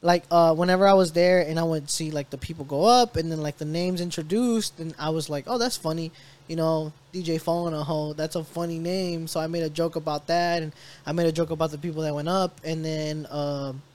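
A man's voice: fairly high pitch, fairly even intonation, fairly quick, a little mellow, clear, resonant tone. A young man, a stand-up comedian guest, telling rambling stories in casual chat, full of "like" fillers. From Tennessee. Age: young adult. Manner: rambling storyteller, many "like" fillers.

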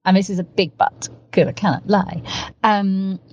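A woman's voice: mid-range voice, steady tone, moderate pace, darkish tone, husky, highs cut off. A woman with a cold, talking in an eager, rambling way and piling up words for emphasis, recorded in a parked car. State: has a cold. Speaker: podcast co-host. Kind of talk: recorded voice message, casual.

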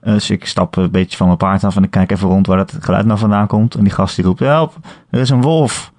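A man with a fairly low voice chats in a relaxed, hesitant way as a podcast co-host. The sound is dry and close, with no room echo around it. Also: fast talker. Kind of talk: casual chat.

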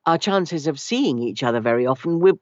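A woman's voice: low-pitched, animated, fairly quick, a little mellow, no echo. British woman, Welsh-born, Welsh first language, wry storyteller, muffled lo-fi sound, dead dry room. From Wales. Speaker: guest, actor and narration coach. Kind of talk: relaxed interview chat.

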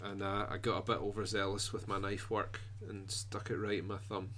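A man co-hosting a hobby podcast, chatting casually and quietly with frequent restarts and fillers. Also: lowish voice, completely flat delivery, slight background noise. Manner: soft-spoken, halting, full of restarts. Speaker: podcast co-host and miniature painter. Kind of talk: casual chat.

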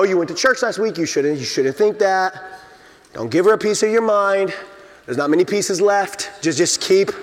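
Pastor guy preaching, pretty high voice, big echo tail from the church hall. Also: a bit bright. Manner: emphatic preaching, acts out inner voices. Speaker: senior pastor. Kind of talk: sermon. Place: church sanctuary.

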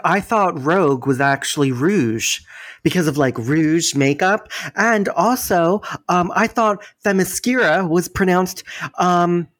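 A man's voice: fairly high pitch, a bit bright, dry recording. A man co-hosting a podcast, talking in a blunt, joking, profane way. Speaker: podcast co-host. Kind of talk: casual chat.

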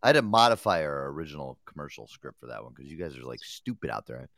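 A man's voice: rumbling low, sing-song, quick pace, a bit bright, dry recording, studio quality. A man hosting a casual talk show, reading sponsor ads and bossing his co-host in a brash, joking way. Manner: brash, laughs often, bossy with co-host. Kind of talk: casual radio-style show with ad reads.

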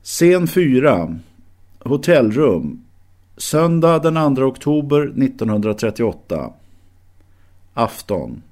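Lively-pitched male scene announcer. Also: pauses often. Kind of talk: scripted scene announcement for audio drama.

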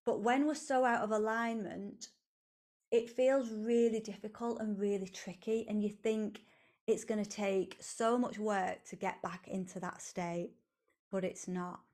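A woman gives a motivational solo talk at an unhurried pace. Her pitch sits in an ordinary middle range. She talks earnestly and repeats her phrases as she coaches the listener. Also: fairly even intonation, a little mellow. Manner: slow, earnest, repetitive phrasing. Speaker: podcast host, coach.

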